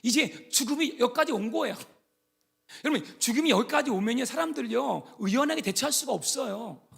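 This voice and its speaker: A middle-aged man preaching a church sermon, dropping to hushed asides and then rising to loud, emphatic repetition, with English words mixed into his talk. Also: very high-pitched, lively intonation, fairly quick, gravelly, slightly rough. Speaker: pastor. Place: church sanctuary.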